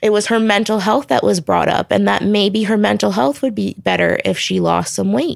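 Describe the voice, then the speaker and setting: A woman is speaking here. Her pace is moderate. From Winnipeg, Manitoba, Canada. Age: 30s. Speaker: body positivity advocate and model. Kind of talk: interview. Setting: studio.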